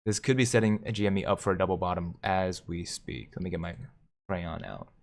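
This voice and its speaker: A man hosting a live stream, commenting on stock charts and reading viewer comments aloud with excitement. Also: low-pitched, fairly quick, vocal fry. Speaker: livestream host.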